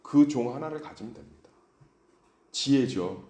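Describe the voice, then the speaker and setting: A male pastor preaches an early-morning sermon in a church sanctuary, retelling stories and asking his listeners rhetorical questions. His pitch rises and dips expressively. His voice rings out in the echoey room. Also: expressive, a little slow, mellow. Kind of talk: dawn service sermon.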